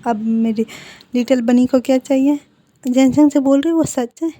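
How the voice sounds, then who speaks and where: A woman's voice: high voice, steady tone, normal speed, mellow, no room sound. A woman voicing a stern, chiding middle-aged mother in a storybook reading.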